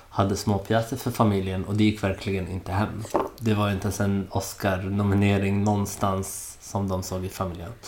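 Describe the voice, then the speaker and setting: A man's fairly low, monotone, flat voice at a moderate pace, with noticeable background noise. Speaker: podcast host. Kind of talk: personal storytelling monologue. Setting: apartment.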